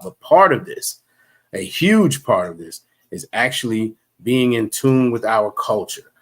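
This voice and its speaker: A man's voice: lowish voice, slightly rough. A man teaching a livestreamed religious class, in a preachy, repetitive way with many fillers and restarts.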